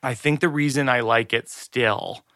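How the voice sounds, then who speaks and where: A man's voice: mid-range voice, fairly even intonation, measured pace, sharp tone, dry recording, studio quality. A man chatting casually as a guest, looking back on a memory in a reflective way. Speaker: comedian's brother and guest. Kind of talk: casual conversation.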